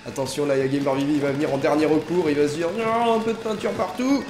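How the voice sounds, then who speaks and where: A young man with a fairly high voice commentates his own online match in a jokey, excitable way, sliding from quiet mutters to sudden shouts. His voice rings in a roomy, echoey space. Faint game music runs under him. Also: fast talker. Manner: excitable, jokey, swings between mutters and outbursts. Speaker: gaming YouTuber. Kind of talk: let's play commentary.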